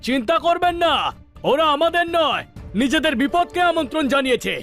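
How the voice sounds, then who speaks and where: Confident cartoon sidekick, extremely high, animated pitch, excitable. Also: male voice, brisk, heavily acted. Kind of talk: Bengali cartoon dub. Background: faint music.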